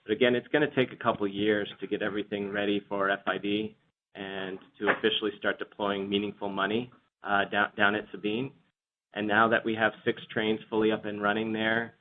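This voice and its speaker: A man answers as a finance executive on an earnings call, often doubling back on words. His voice is low with very little movement in pitch. The line is phone-like, with faint noise behind it.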